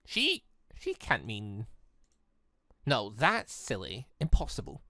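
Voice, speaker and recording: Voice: medium pitch, huge pitch swings, slow, bright, forceful tone, no echo, clean studio sound, voice pushed down, exaggerated voice. A game commentator voicing an ashamed young warrior woman in a hesitant, subdued manner. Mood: guilty, uneasy.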